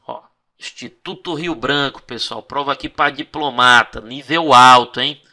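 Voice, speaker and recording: A man teaching an exam-prep video lesson, lively and coaxing, always checking in with his students. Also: mid-range voice, normal speed.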